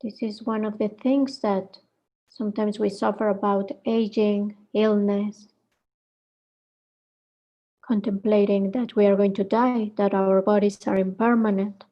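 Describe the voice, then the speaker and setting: A woman leading a guided meditation, speaking gently in short phrases with reflective pauses between them. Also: mid-range voice, flat delivery, dull audio.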